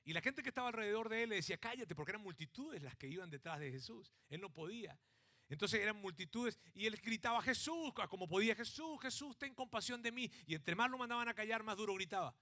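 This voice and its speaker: The sermon comes from a middle-aged Mexican pastor whose high-pitched, Mexican-accented voice moves at a quick pace. He acts out scenes with shouts, then drops into hushed emphasis as he tells the story.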